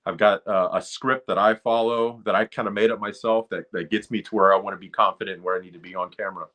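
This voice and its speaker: A man's voice: fairly low pitch, fairly even intonation, fast, fairly bright tone. A man in his forties, a former ballplayer turned broadcaster, chatting and telling self-deprecating stories as a guest on a podcast. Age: 40s. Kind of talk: casual storytelling interview.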